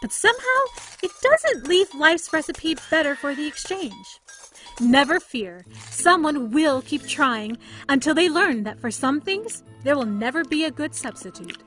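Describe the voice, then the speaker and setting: A woman delivers scripted narration in a high voice. Soft music plays underneath her reading. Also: lively intonation, unhurried.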